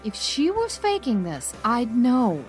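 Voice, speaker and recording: An actress playing an assured, caring police lie detector, firm and direct, in an audio drama. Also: female voice, on the high side, wildly swooping pitch, slow pace, soft background music, exaggerated voice.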